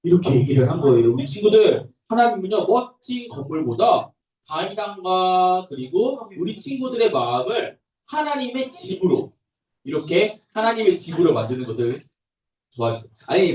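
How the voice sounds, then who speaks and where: A young adult man who is a pastor, telling a Bible story to toddlers in a sing-song, animated way. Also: sits high, brisk. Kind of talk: children's sermon. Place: church room. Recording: echoey room, voice from a distance.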